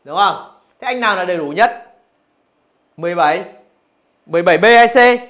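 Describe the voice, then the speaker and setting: A man with a high voice teaches physics, working through exam questions one by one. He keeps checking with his students as he explains each answer. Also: lively intonation, fairly quick, a bit bright. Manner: talks through answers, asks rhetorical questions. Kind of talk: exam review lesson.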